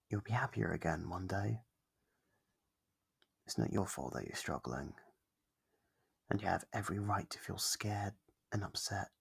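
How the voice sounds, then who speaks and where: Guy doing a sweet shy demon for asmr, deep and super croaky, soft spoken, kinda apologetic and reassuring. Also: exaggerated voice. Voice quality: low, gravelly, husky. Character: kindly, apologetic sleep paralysis demon, gentle and shy. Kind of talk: ASMR roleplay monologue, soft and close.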